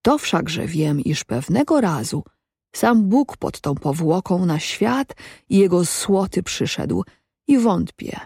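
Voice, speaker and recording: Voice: medium pitch, creaky, a little mellow, husky, no room sound, clean studio sound, heavily acted. A storyteller voicing a solemn, philosophizing black goat in an audiobook, speaking in an archaic, ponderous way. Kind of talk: audiobook reading.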